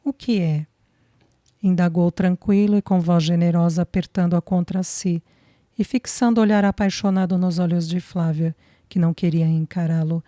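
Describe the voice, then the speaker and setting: A woman narrating a romance audiobook in a calm, measured storytelling manner. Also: lowish voice, no echo, studio quality.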